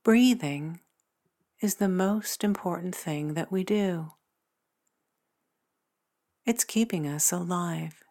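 A woman narrating a guided meditation in a soothing, measured manner with long pauses between phrases. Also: lowish voice, mellow. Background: new-age meditation music.

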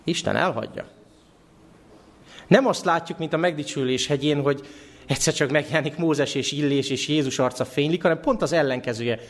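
A male preacher delivers a sermon in a church. He is animated and asks his listeners questions. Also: fairly high pitch.

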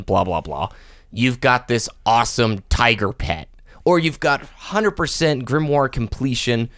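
A man hosting a casual gaming podcast, talking in a chatty, easygoing way with a mid-pitched voice. He sits close to the mic in a dry, dead room with no echo. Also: a bit bright. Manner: chatty, reads listener posts aloud. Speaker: podcast host.

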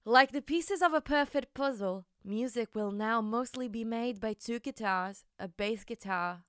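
This podcast host has a fairly high, somewhat bright and smooth voice and takes her time. She tells a scripted story conversationally, speaking to her listeners with personal asides, in a recording with no echo.

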